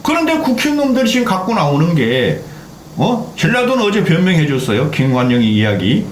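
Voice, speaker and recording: A man's voice: on the high side, huge pitch swings, a little fast. An older man hosting a political commentary channel, ranting angrily, swearing and constantly throwing in "eh?" between sentences. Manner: heated, swearing, repeatedly interjecting "eh?". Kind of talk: angry political rant. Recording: echoey room with faint background noise.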